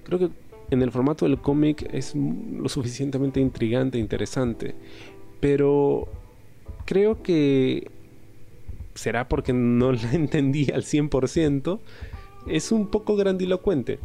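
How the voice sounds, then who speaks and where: Man, mellow gravelly voice, reflective comic review, soft guitar music behind. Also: a little high, slow pace. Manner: reflective, tags statements with questioning asides, some hesitant fillers. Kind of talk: casual spoken review.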